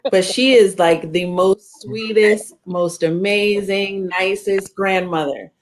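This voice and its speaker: A woman's voice: mid-range voice, steady tone, slow. A woman on a church panel, playfully teasing as she tells a family story. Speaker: panel guest, daughter.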